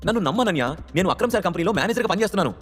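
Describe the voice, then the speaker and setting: An earnest young man in an audio story, as a male narrator plays him, pleading to be heard. His lines come fast with lively swings in pitch. Faint music plays behind. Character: calm, stubborn young man defending himself.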